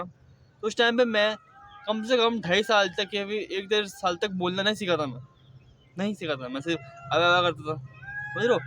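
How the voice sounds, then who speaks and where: A young man talking casually to his vlog audience, with a throaty, slightly thick voice that he keeps slow and deliberate, catching on the odd word with a small stammer. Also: high-pitched, a bit bright, slight background noise. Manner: speaks slowly and deliberately, with occasional stammers. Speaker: vlogger. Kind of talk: casual personal vlog monologue.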